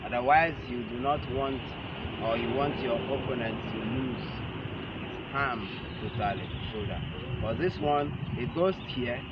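A man in his thirties teaching a hands-on self-defense lesson in short, halting phrases, repeating his instructions. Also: medium pitch. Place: large open concrete outdoor arena with stepped stands. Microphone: camera a few metres away. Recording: muffled outdoor camera audio, loud ambient noise. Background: loud outdoor ambient noise.

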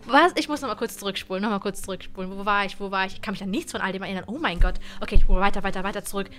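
A woman in her twenties streaming from her gaming room into a boom-arm studio mic, chatting casually and animatedly with viewers, often stumbling and repeating words. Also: very fast, bright, forceful tone. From Germany. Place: gaming room with colored wall lights.

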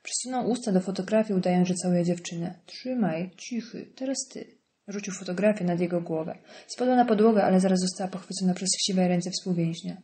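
A woman reads an audiobook in a steady, even narration. Her voice sits low and sounds mellow and warm. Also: fast talker, hardly any pauses. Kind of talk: scripted narration.

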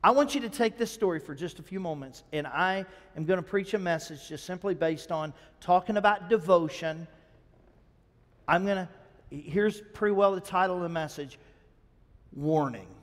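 A male pastor preaching a sermon, retelling a story in an animated way and calling on the congregation to answer. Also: high-pitched, normal speed, in a large hall.

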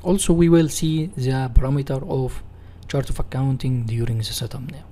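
A man with an Egyptian Arabic accent giving a software tutorial in non-native English, reading and rephrasing as an instructor. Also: medium pitch, moderate pace.

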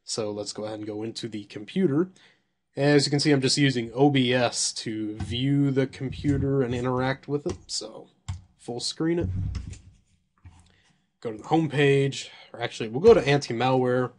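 Sitting at his computer, a man casually reviews software, thinking aloud and swearing whenever something surprises him. His voice is slightly hoarse and medium-pitched, and he speaks at a normal speed.

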